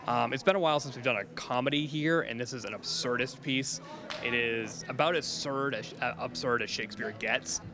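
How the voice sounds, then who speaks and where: A man's voice: mid-range voice, fairly quick, crowd noise. A man, a drama teacher, casually explaining a school play festival in an interview, with frequent fillers. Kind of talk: interview answer. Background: music.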